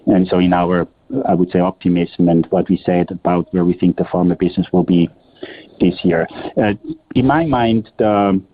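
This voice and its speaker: Low-voiced executive man on phone line. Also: steady tone, slight background noise. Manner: halting, repeats words, explanatory. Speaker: company executive answering analyst questions. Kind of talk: spontaneous earnings call answers. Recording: muffled, narrow-band phone conference line.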